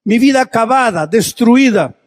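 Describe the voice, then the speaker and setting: A male preacher voicing a broken, grieving middle-aged man who speaks in a quiet, halting, mournful way. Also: very high voice, lively intonation, no room sound, studio quality, pitched above the performer's own voice. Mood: despairing.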